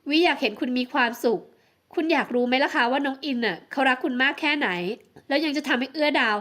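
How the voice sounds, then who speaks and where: A woman plays a jealous, heartbroken young woman in an audiobook romance, her voice a touch high and emotional. She pleads and accuses in a tearful, intimate delivery. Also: quick pace, fairly bright tone. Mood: soothing. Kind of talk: audiobook romance novel acting.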